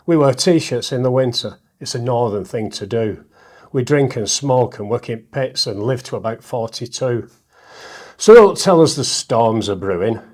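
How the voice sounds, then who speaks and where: A man's voice: mid-range voice, darkish tone. A middle-aged man with a northern English accent, speaking casually as an interview guest in a self-deprecating way. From northern England. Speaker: interview guest, poet and comedian. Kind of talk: casual interview chat with poetry recital.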